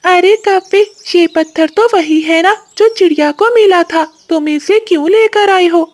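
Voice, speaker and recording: Woman doing a squeaky chatty parrot. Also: unhurried. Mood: worried. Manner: excited, squeaky. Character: friendly chatty male parrot.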